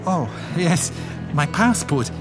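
An actor playing an eager, flustered English-speaking traveller who hesitates and exclaims in a radio drama. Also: male voice, fairly high pitch, expressive, slow, loud music behind the voice. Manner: hesitant, exclamatory, switching languages.

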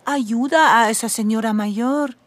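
A woman's voice: a little high, unhurried, natural voice. A woman playing a teasing, instructive guide who explains scenes in a scripted radio drama. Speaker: narrator figure guiding Harry.

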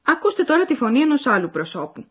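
A woman's voice: high voice, big pitch swings, breathy edge. A woman reading the scripted narration of a language course, explaining and addressing the listeners. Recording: dull lo-fi recording.

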